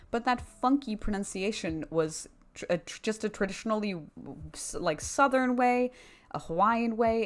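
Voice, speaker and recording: A woman giving casual, opinionated commentary to viewers in an informal, slangy and emphatic way. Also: mid-range voice. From Canada. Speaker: video commentary host.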